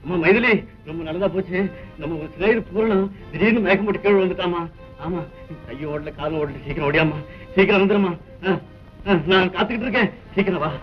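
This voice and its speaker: A man's voice: high-pitched, fairly quick, close to an everyday voice. An actor playing a worried older father urgently calling for help in a 1960s film melodrama. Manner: urgent, pleading. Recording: dull old film soundtrack with music.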